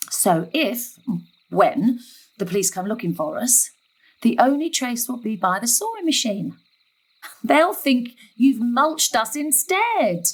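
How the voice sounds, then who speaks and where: A woman's voice: medium pitch, gravelly, rough recording. A woman playing a long-suffering, middle-aged mother with a darkly wry, conversational manner in a dramatic thriller. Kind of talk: dramatic stage-thriller monologue and dialogue.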